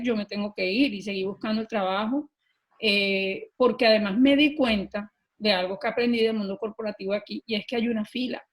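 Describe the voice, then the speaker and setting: Colombian woman with a slightly high voice. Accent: Colombian Spanish. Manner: earnest and animated, often pausing with "eh" and "este". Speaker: podcast guest. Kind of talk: personal storytelling in an interview.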